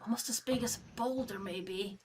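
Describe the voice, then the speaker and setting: A woman's voice: mid-range voice, moderate pace, a little mellow, a little hiss or hum, lightly acted. A woman voicing a tiny, frail, leaf-hooded forest creature that talks in a childlike, stammering way. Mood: blunt.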